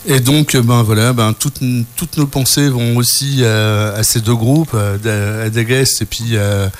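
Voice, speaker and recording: A man co-hosting a casual radio music show, talking hesitantly with many pauses and restarts. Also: medium pitch, steady tone.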